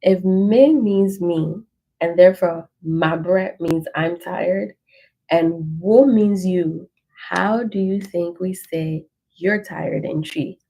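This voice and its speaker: A woman teaching a language lesson, reading through an ebook page by page and slowly repeating phrases to encourage learners. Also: lowish voice, gravelly, dark tone, poor audio.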